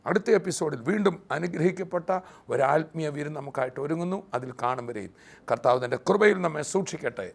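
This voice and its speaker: Gravelly-voiced man leading fervent prayer. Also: a little high, fast talker. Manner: rising into loud, emphatic prayer declarations. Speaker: TV program host and preacher. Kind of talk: fervent spoken prayer and closing message.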